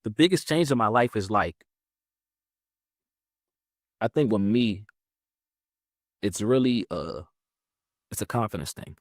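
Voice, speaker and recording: A man in his twenties, talking in a rambling, casual way, leaning on "like" with lively jumps in pitch. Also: takes it slowly, long pauses, dry recording, clean studio sound. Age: 20s. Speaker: guest. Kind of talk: casual interview chat.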